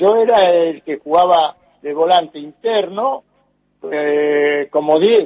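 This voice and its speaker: The man's pitch is high, with ordinary variation. He speaks at a very slow pace. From Argentina, Buenos Aires. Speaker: former footballer and youth coach. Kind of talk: radio interview.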